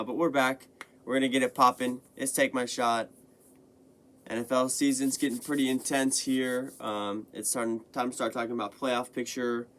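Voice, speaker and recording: A young man hosting his own sports podcast, talking casually and rambling with lots of fillers and restarts, his voice a little hoarse after being sick. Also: mid-range voice, fairly bright tone. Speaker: podcast host. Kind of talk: casual sports commentary monologue.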